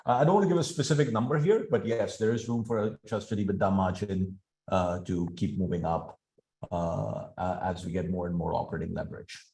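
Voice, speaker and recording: A man answering analyst questions on an earnings call as a company executive, explaining in a measured, hesitant way. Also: deep voice, steady tone, vocal fry, warm tone.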